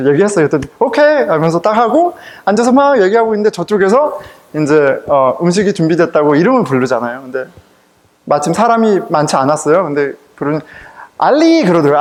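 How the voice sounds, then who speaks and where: A male pastor with a high, lively voice that swings up and down as he preaches. He tells his stories in a chatty, joking way, laughs along with them, and keeps turning to the congregation with questions. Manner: conversational, humorous, laughs while telling stories. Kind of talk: sermon with personal anecdotes.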